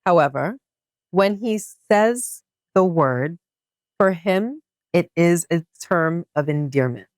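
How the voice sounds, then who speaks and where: A woman's voice: on the low side, animated, no room sound, clean studio sound. A woman co-hosting a podcast who laughs often and teases her co-host in casual chat. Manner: laughs often, teasing, drawn-out phrasing.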